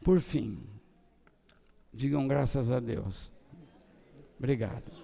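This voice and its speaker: An older man with a Brazilian Portuguese accent preaching a sermon, swinging between loud high bursts and soft low trailing ends. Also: slow pace, gravelly. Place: church hall. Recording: long church hall reverb.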